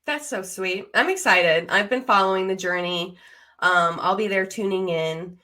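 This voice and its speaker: A woman's voice: medium pitch, moderate pace, sharp tone. Encouraging woman hosting a casual chat. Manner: encouraging, supportive. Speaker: podcast host.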